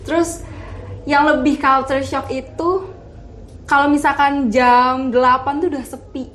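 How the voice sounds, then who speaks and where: A young woman from West Java chats easily as a guest, with a high, light voice. She sounds relaxed and matter-of-fact, with faint noise behind her. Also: a little slow, poor audio. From West Java, Indonesia. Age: young adult. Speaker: guest, university student. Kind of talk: casual chat.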